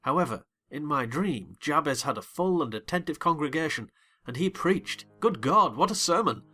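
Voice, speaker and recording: A man narrating as a genteel gentleman in measured, wry first-person storytelling. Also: on the high side, expressive, soft background music. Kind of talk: dramatized audiobook narration.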